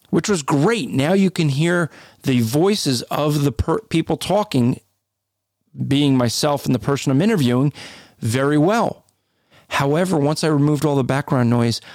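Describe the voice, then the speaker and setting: A man with a deep, booming voice co-hosting a podcast, explaining things in a casual, conversational way. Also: a little mellow, no room sound, studio quality. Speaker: podcast co-host.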